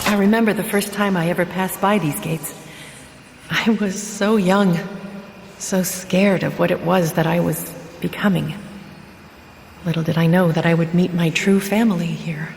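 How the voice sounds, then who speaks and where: A woman's voice: lowish voice, gravelly. A woman playing a kind, experienced psychic mentor in an audio drama, guiding a recruit with earnest reassurance. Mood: wistful. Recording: echoey, reverberant, noisy.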